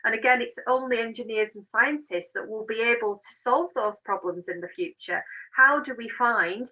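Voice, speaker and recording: A woman with a somewhat high voice speaks at a moderate pace over dull audio. She's an engineer and managing director appearing as an interview guest, explaining and advising in an informal, emphatic, encouraging way.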